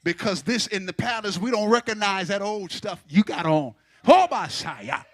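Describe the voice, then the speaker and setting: A man's voice: sits high, normal speed. A man preaching a sermon at a pulpit microphone, building through repeated phrases and addressing the congregation directly. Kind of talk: impassioned sermon.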